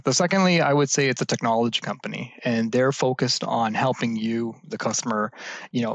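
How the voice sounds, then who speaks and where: A man speaking as an interview guest, telling animated anecdotes about his work with many fillers. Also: mid-range voice, creaky, no room sound. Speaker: guest, IT services business leader. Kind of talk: conversational interview answers.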